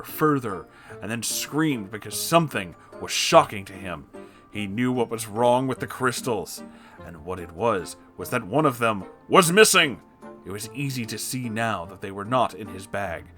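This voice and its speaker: Bright, animated man narrating over music. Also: on the low side. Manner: theatrical, emphatic. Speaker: host reading fan fiction aloud. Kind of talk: comedic dramatic story narration. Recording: music playing behind.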